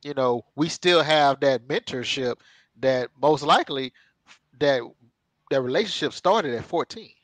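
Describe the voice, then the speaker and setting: A man's voice: medium pitch, a little slow, fairly bright tone, no echo, poor audio. A man in his thirties co-hosting an interview over a video call, chatting loosely with lots of fillers and asides. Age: 30s. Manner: chatty, rambling with many fillers and laughs. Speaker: co-host. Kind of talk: casual interview chat. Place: home room on a video call. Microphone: headset on a video call.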